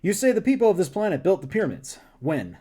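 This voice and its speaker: Male reader doing a probing starship captain, pitched up, lively intonation. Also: quick pace, breathy edge, full character voice.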